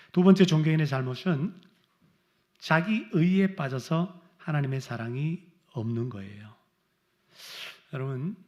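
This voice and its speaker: A middle-aged male pastor preaching a sermon, acting out complaints in a raised voice and then dropping low and quiet. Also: highs cut off.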